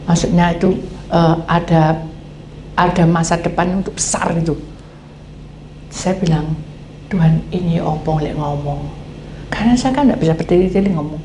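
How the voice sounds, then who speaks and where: A woman's voice: on the low side, moderate pace, long pauses. A woman pastor, telling a story in a sermon and acting out the voices of the people in it. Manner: acts out quoted dialogue, animated. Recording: echoey hall, faint noise.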